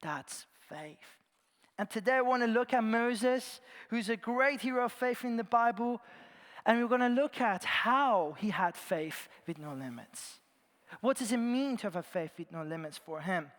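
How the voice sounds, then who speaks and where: A man's voice: very high voice, lively intonation, unhurried. Man preaching in reverberant church. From Iran. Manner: earnest storytelling, phrases trailing off softly at the ends. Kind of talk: sermon. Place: large church.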